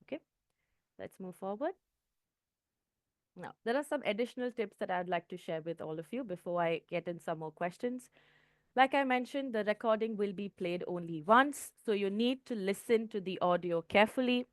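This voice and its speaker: Woman trainer, clear teaching tone. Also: mid-range voice, expressive, moderate pace, no echo, clean studio sound. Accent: Indian English. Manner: clear teaching tone, frequent "okay" checks. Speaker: IELTS trainer. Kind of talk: online test-prep lesson.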